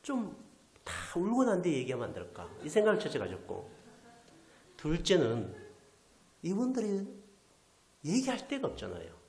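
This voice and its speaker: A male pastor with a delivers an animated storytelling sermon, his pitch swinging widely as he acts out the people he quotes. At times he sinks almost to a whisper. The sound rings in an echoey church hall. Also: normal speed, pauses often. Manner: animated storyteller, acting out quoted voices, drops to near whisper. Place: church sanctuary.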